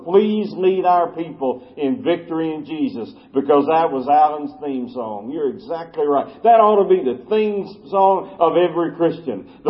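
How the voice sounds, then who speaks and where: A man's voice: a little high, dull audio. A man preaching a sermon to his congregation, folksy and conversational, with asides to the folks in the pews. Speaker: pastor.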